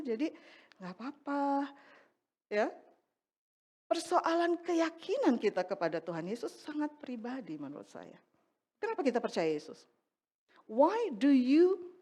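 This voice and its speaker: Animated middle-aged woman preaching. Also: high-pitched. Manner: animated storytelling, acts out dialogue. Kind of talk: sermon with personal testimony. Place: church.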